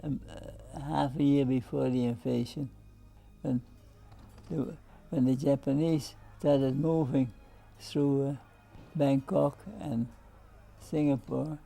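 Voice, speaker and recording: Old pilot, gravelly and flat, slow and halting. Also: male voice, mid-range voice, soft background music. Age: older. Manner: slow, broken phrasing with pauses. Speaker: veteran pilot interviewee. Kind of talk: interview recollection.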